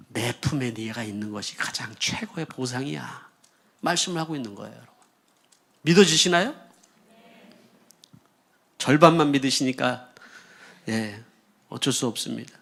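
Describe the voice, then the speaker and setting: Man, pastor, lively sermon, higher voice, talks to the congregation. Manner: animated preaching, asks the congregation questions, acts out quoted speech. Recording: church service stream.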